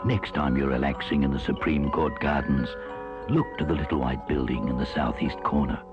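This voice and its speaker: A man reading scripted history as a radio announcer, in a measured storytelling manner, on a 1970s aircheck. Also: very deep voice, fairly even intonation, lo-fi sound. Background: mallet music.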